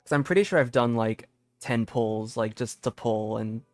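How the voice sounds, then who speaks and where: A young male game streamer with a medium-pitched voice, close and dry over game music. He chats casually and excitably, rambling and doubling back on his words. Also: moderate pace, dry recording. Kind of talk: casual live gameplay commentary.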